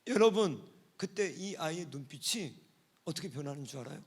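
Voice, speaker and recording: A male pastor preaching a sermon at a church service, telling stories and moving between hushed, quiet passages and loud, fervent outbursts. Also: a little high, brisk, noisy background. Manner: storytelling, swinging between hushed and shouting.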